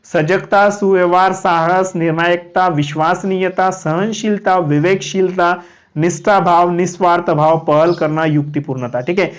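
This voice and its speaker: A man's voice: sits high, fairly even intonation, measured pace, clean tone. A man coaching students in a live online class, chatty and repetitive, listing points one by one. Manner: chatty, repetitive, keeps saying "okay"; lists items one by one like reading notes. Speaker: online tutor for cadet exams. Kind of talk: live-stream exam coaching and course pitch.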